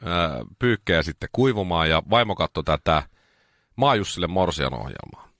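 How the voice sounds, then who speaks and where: A man hosts a radio show, telling stories in casual chat with animated delivery and jumping into high voices when quoting others. The recording is dry and studio quality.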